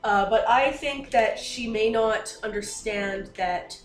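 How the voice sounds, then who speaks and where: A woman's voice: a little high, slow, a crowd in the background. A woman playing a tabletop role-playing game, explaining things casually and a little hesitantly. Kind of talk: casual in-character game discussion. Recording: roomy, distant mic, faint noise.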